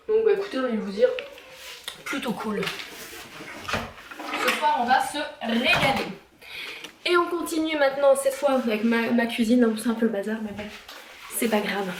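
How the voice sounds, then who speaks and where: A woman talking casually through a haul vlog at home, chatty and halting with many fillers. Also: a little high, reverberant, background noise. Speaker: vlogger. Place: home kitchen and garage.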